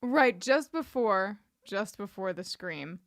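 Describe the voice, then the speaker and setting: A woman's voice: medium pitch, lively intonation, slow, no echo, studio quality. A woman co-hosting a podcast, chatting casually about a TV show in a playful, wry, rambling way full of "like". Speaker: podcast co-host.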